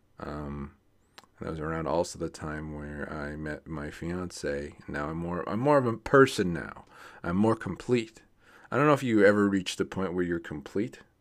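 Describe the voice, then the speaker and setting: This man speaks at a moderate pace in a very deep, low voice, with lively intonation and big swings in loudness, on a very clean recording with a silent background. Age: 20s. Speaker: podcast host. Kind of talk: casual solo monologue. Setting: home recording at desk. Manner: halting, many fillers.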